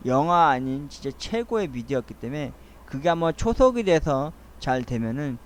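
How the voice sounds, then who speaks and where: A middle-aged man rambling through a soliloquy-style audio essay, speaking in a halting, earnest and wistful way. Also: a little high, very animated. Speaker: host of a monologue essay channel.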